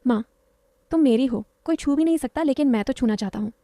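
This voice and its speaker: Woman doing a young stepson, pleading, suggestive, mellow tone, dry close sound. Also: high voice, fairly quick, no echo, lightly acted. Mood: coaxing.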